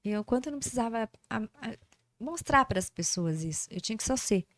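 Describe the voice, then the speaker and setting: A woman, a speech therapist speaking as a podcast guest in a lively storytelling manner, acting out dialogue as she talks. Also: a little high, fairly quick, no echo. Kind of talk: casual podcast interview.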